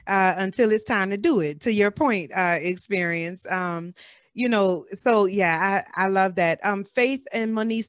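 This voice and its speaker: A woman's voice: medium pitch, no room sound. A woman moderates a panel, speaking earnestly and working out her thoughts aloud with small restarts. Her voice sits in a middle range. The recording is dry and close, with no room sound. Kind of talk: panel discussion.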